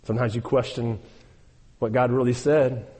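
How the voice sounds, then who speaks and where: A man's voice: medium pitch, steady tone, moderate pace, a little mellow, slightly rough, long reverb tail. A man preaching a sermon, emphatic and exhorting, repeating phrases and speaking straight to his listeners. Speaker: pastor.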